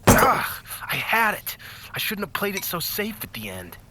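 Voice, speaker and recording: A man's voice: high voice, wildly swooping pitch, moderate pace, heavy background noise. A man playing an anxious, hot-headed young extreme-sports racer in an audio drama. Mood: frustrated. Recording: music behind the voice.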